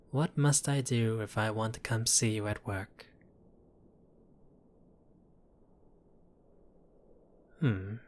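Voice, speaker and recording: Male mob boss acted by a man for audio roleplay: unhurried, wry, courteous, a smooth-talking criminal charmer. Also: mid-range voice, natural voice. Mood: amused, charmed. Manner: unhurried, flirtatious, wry, addressing listener as doll. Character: apologetic, charming mobster, exasperated yet courteous. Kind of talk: intimate audio roleplay acting.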